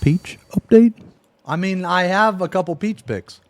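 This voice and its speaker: A man in his late thirties chatting casually on a live stream, reading viewer messages, laughing often and trailing off with a drawn-out "man". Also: high-pitched, no echo. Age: 30s.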